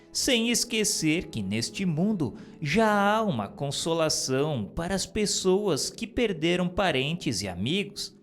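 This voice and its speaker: A man giving a solemn, earnest reading of a religious text, measured and exhorting. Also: on the high side, fairly bright tone. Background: faint music.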